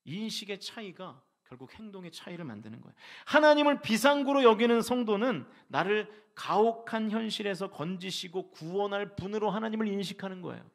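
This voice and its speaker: A man's voice: high-pitched, expressive, fairly quick, creaky, few pauses. A middle-aged male pastor giving a sermon in a church, asking the congregation rhetorical questions and voicing people's complaints to God. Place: church sanctuary.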